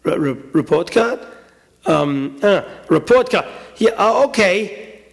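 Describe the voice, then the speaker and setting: A man's voice: sits high, animated, a little fast. A man voicing a nervous schoolboy full of dread in a comic story, hesitant, pleading and grumbling. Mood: nervous, stalling.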